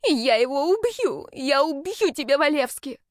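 A woman voicing a fierce young dragoness in an audiobook, shouting shrilly and close to tears. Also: sits high, measured pace, no echo, pitched above the performer's own voice. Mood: furious. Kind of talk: audiobook character voice.

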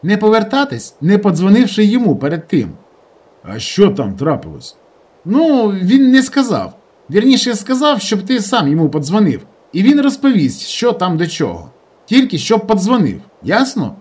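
A man reading aloud, voicing a rough, restless young village guy who talks bluntly in crude slang. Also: high-pitched, wildly swooping pitch, moderate pace, darkish tone, voice pushed up, exaggerated voice. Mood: urgent.

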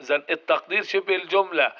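A man's voice: a little high, fast talker, bright, forceful tone. A man teaches grammar, working through each point in order. He puts questions to the class and answers them himself. The recording sounds dull and lo-fi. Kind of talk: explanatory grammar lesson.

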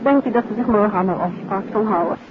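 An actress playing a detective's composed, observant wife, speaking politely and with refined curiosity in a 1950s radio drama. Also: female voice, mid-range voice, fast talker, natural voice. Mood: fond, teasing. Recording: muffled, noisy, phone-like old radio recording.

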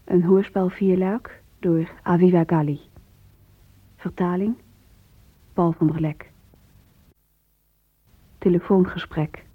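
A woman's voice: on the low side, steady tone, slow pace, pauses often, slightly rough. A woman announcer reading a scripted introduction to a radio drama. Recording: dull lo-fi old radio recording.

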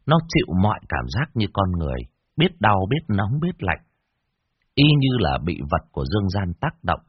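A man narrating a ghost story in a lively, dramatic way. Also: low-pitched, moderate pace, breathy edge, dry recording. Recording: dull lo-fi dry recording.

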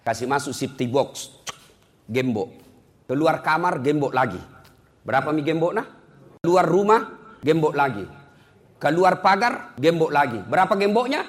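Man, humorous religious lecture, very expressive pitch, animated storyteller. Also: moderate pace, pauses often, in a large hall. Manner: animated storyteller, jokes and chuckles often. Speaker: preacher.

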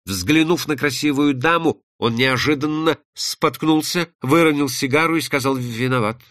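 A man narrating a classic detective story in an expressive, dramatic storytelling manner. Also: on the high side, normal speed, no echo, clean studio sound. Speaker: audiobook narrator. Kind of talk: scripted literary narration.

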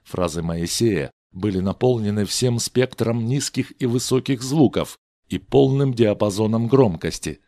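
A man narrating a story with an expressive, animated reading on a close mic. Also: lowish voice, a little slow, no room sound. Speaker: audiobook narrator.

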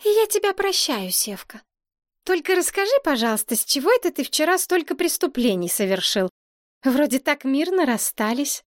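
A woman reading an audiobook, voicing a bossy, indignant young princess who scolds in a high, dramatic voice. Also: lively intonation, fairly quick, dry recording, clean studio sound. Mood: curious. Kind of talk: audiobook character voice.

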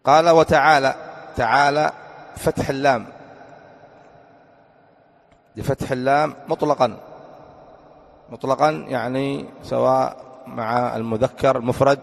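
A man's voice: medium pitch, steady tone, normal speed, vocal fry, long pauses. A man, a sheikh, teaching an Arabic grammar class, repeating each point and quizzing his students with questions. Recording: long hall reverb.

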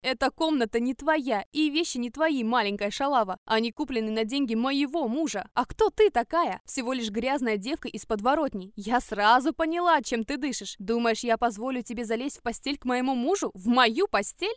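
A woman's voice: fairly quick, few pauses, no room sound, clean studio sound. A woman voicing a spiteful scheming wife. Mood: screaming. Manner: sneering, shrill when accusing. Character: spiteful scheming young stepmother-type wife. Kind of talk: audiobook character voice.

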